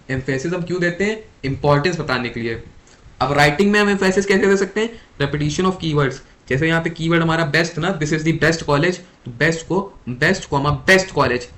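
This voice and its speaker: A young man giving an exam lesson, mixing Hindi and English, who slows down to repeat key definitions and keeps quizzing his listeners. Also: on the high side, a bit bright. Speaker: exam tutor.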